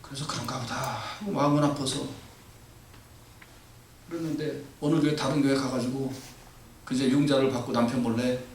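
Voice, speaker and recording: A middle-aged man from Korea preaching a lively sermon as a pastor, acting out dialogues and leading his congregation in reading. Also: mid-range voice, moderate pace, pauses often, slight background noise. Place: church sanctuary. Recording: echoey church hall mic from a distance.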